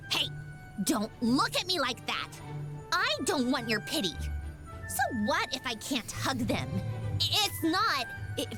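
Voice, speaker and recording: An actress voicing a proud, ladylike young machine doll in a video game, with a prim, precisely worded delivery. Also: high-pitched. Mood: wistful, defensive. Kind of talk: scripted video game character voice lines. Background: music.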